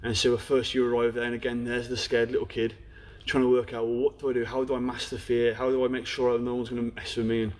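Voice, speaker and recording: A young man with a Black Country accent tells his own story in an interview, frank and plain-spoken. He talks fast, rattling through the telling. His pitch sits at an ordinary middle height for a man. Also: completely flat delivery. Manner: frank, storytelling, peppered with "you know". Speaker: interview guest. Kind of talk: candid personal story in a podcast interview.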